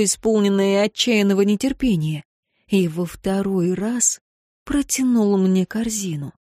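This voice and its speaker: A woman narrating a novel in the first person in a calm, measured, soft manner. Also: mid-range voice, dry recording, studio quality. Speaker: audiobook narrator. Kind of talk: first-person book reading.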